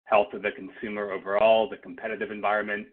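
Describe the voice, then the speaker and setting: A man's voice: lowish voice, little pitch movement, fast. A man asking polite business questions as a financial analyst on an earnings call. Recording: rough narrow phone line.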